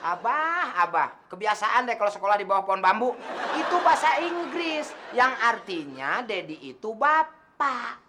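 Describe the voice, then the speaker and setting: A man's voice: sits high, sing-song, normal speed, noisy background. An actor playing a man pretending to be rich, showy and bossy, teasing his driver in a TV sitcom. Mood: boastful. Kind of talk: sitcom acting.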